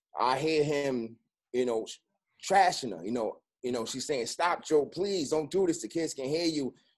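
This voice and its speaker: In a New York accent, a man talks at a fairly high pitch. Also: long, frequent pauses. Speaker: peace advocate and author. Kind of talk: interview.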